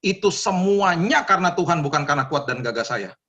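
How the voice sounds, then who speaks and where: A man, preaching a sermon as pastor in a lively, conversational way and acting out the people he quotes. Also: on the high side, fairly quick, lo-fi sound.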